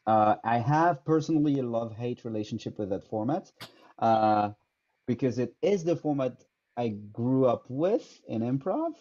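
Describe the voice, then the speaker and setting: Speaking over a headset on a video call from a small room, an improv teacher from France, in his thirties, answers interview questions with care, using many fillers and restarts in his French accent. His mid-range voice is mellow and lively in intonation at a normal speed. The call audio sounds dull and lo-fi.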